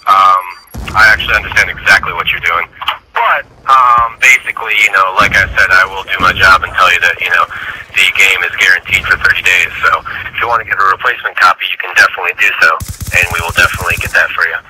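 A man's voice: deep voice, steady tone, fast talker. A man working as a game store clerk, handling a customer call in a polite, unruffled way over the phone. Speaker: video game store clerk taking calls. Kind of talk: phone customer service talk. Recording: noisy phone call, sharp sound, game gunfire. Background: video game gunfire.

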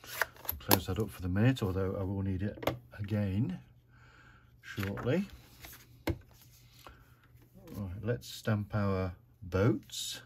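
A British man chatting through a card-making tutorial at his craft desk, relaxed and self-mocking as he talks himself through each step. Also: on the low side, slow, pauses often, background noise.

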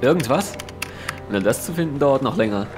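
A man's voice: medium pitch, animated, a little fast, close to an everyday voice. Guy playing a laid-back police techie in a radio play, teasing and flirty, music underneath. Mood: wry. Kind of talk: German audio drama acting.

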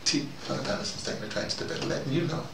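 An older man with a gravelly voice giving a rambling, conversational spoken commentary, circling back and repeating words as he goes. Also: fairly high pitch, fast. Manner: digressive, repeats words, conversational, animated asides. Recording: roomy, distant mic, noticeable background noise.

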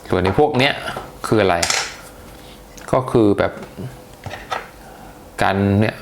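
A man's voice: lowish voice, slow, background noise. A man giving a casual, chatty unboxing review, talking with hesitations and many polite particles. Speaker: tech reviewer.

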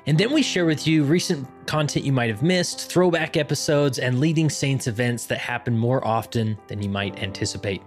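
A man hosting a podcast, talking in an upbeat, chatty way with frequent fillers and restarts. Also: mid-range voice. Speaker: podcast host. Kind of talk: casual interview and scripted promo read.

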